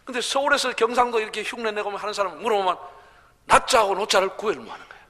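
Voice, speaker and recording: A man's voice: high-pitched, very fast, bright, forceful tone. A man preaching at a revival meeting with a Gyeongsang accent, chatty and humorous, joking with the congregation. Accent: Gyeongsang Korean. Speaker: pastor. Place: large church sanctuary. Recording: reverberant church hall.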